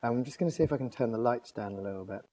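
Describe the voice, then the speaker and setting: A man's voice: medium pitch, very fast, mellow. A scientist with an English accent giving a public lecture while losing his voice, talking in a loose, conversational way with many ums and restarts. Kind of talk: public talk. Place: lecture room.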